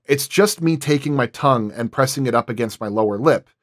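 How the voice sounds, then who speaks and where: A man talking casually as a guest sound designer, in a halting, hesitant way. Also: medium pitch. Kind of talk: casual roundtable chat.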